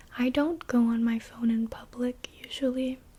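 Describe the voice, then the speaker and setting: Against noticeable background noise, a woman speaks at a fairly slow pace in a high pitch. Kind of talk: ASMR ramble about her day, casual talk to camera. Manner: soft-spoken, whispered.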